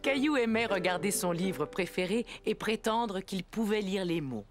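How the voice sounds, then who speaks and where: A woman performing as a gentle, explanatory narrator for a children's cartoon story. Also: medium pitch, expressive, normal speed, close to an everyday voice. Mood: gentle narrating. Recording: music behind the voice.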